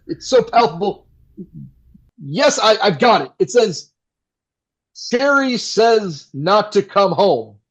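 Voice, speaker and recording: A man's voice: high voice, full character voice, rough recording. A man playing a flustered, melodramatic 1960s New York radio host with theatrical announcer delivery in an audio drama. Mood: puzzled.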